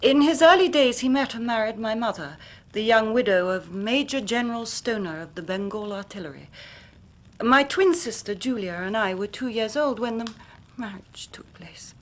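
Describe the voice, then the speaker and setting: An actress playing a grave young Victorian woman who tells her story in measured, formal speech, sometimes dropping to a hushed whisper. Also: on the high side, natural voice. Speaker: client telling her story. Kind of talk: period radio drama acting.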